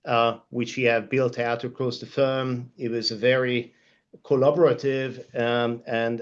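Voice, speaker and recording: A middle-aged Hungarian-accented man speaks on a professional panel in a formal, measured way with frequent hesitations. His mid-range voice stays very flat in intonation. The sound is somewhat dull and muffled. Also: mid-range voice. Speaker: panelist, law firm partner. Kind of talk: panel discussion, career account.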